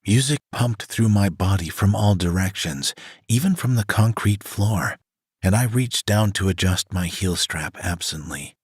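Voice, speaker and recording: A man reading a romance audiobook aloud in the first person, in an even, scripted narration. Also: lowish voice, measured pace, breathy edge, no echo, clean studio sound. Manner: reads a woman's first-person story in an even voice.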